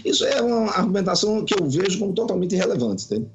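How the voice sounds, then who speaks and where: A man, a guest writer, explaining at length in a measured, lecturing way during a podcast conversation. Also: high-pitched, very animated, dull audio.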